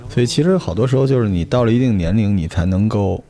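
A man, co-hosting a podcast and explaining his points in a measured, thoughtful way. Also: on the low side, animated, mellow. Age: 40s. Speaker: podcast co-host. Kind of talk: casual podcast chat.

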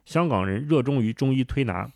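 A man's voice: mid-range voice, expressive, fairly quick, gravelly, darkish tone, dry recording, clean studio sound. A man co-hosting a book podcast, casually introducing and reading a chapter opening. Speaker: podcast co-host.

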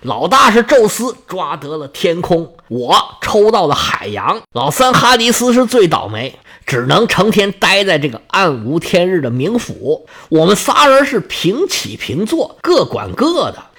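A man's voice: high voice, huge pitch swings, a little slow, a bit bright, full character voice. A man doing an indignant, blustering sea god. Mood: aggrieved. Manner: indignant, grumbling, boastful. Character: blustering aggrieved sea god, older male.

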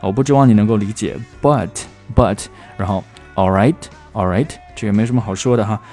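Male pronunciation teacher, low mellow voice, slow repeated drills, faint guitar behind. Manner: repeats English phrases slowly for drilling. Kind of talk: explanatory teaching with slowed example phrases. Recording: soft guitar music underneath.

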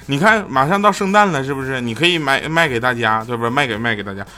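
A man's voice: mid-range voice, lively intonation, quick pace. A man with a Northeastern Chinese accent hosting a comedy podcast, chatting casually and playfully and often breaking into laughter. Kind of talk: casual comic chat reading listener messages and telling jokes. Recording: loud background music. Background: music.

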